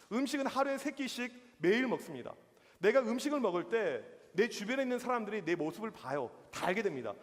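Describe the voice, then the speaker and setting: A man's voice: high voice, long reverb tail. A man preaching a youth sermon as the pastor, telling stories and acting out the reactions of people in them. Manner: animated storytelling with acted-out reactions. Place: church hall.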